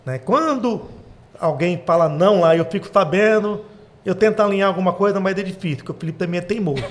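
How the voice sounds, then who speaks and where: A middle-aged man, a father and business owner, telling stories about his family company in a relaxed, casual interview. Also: sits high, quick pace. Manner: relaxed storytelling, laughs while telling anecdotes.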